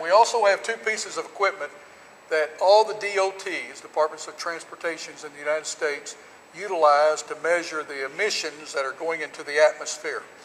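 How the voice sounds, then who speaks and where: The voice moves at a fairly quick pace with ordinary pitch variation and big swings in loudness, while noticeable background noise runs underneath. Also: man. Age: 60s. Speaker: community college center director. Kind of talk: facility tour interview. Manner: enthusiastic; hesitant fillers.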